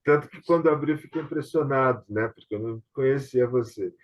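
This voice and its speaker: A man's voice: mid-range voice, a little fast. A Brazilian man hosting a casual online conversation, telling anecdotes in a rambling way with frequent tag questions. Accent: Brazilian Portuguese. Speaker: host of an online tribute talk. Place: online video call. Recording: dull, lo-fi video call audio.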